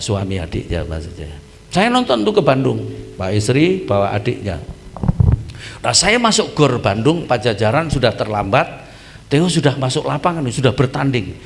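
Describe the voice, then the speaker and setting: A man's voice: lowish voice, gravelly, slight background noise. A middle-aged man preaching at a family seminar, telling stories and acting out the dialogue. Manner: lively storytelling, acts out dialogue, asks congregation for amen. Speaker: pastor. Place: church hall. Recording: reverberant church hall with faint ambience.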